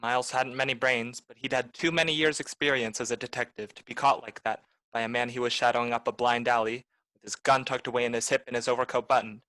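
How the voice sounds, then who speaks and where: A man's voice: medium pitch, steady tone, fast talker, pushed and bright, dry recording, natural voice, rough recording. Hard-boiled radio detective, acted by a man: cynical, tough, blunt, recorded dry. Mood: accusing. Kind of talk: 1940s film noir radio acting.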